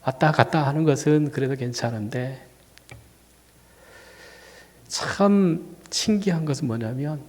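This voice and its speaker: A man's voice: mid-range voice, unhurried, long pauses, a little mellow. A male pastor tells a personal story in a sermon. He is fighting a cold, and he talks conversationally but rises to emphatic peaks on key points. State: fighting a cold and feeling dizzy. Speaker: senior pastor. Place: church sanctuary. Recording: long church reverb.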